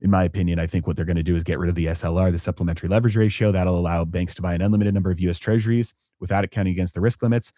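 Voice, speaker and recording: Man, very low voice, dry close mic, live market commentary, halting with fillers. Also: steady tone, mellow, no echo. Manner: halting, many fillers and restarts. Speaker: finance channel host.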